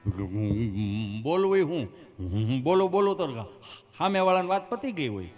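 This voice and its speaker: A man voicing a timid village man who stammers heavily, in a low hesitant mumble. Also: very animated, fast, muffled recording, faint music behind.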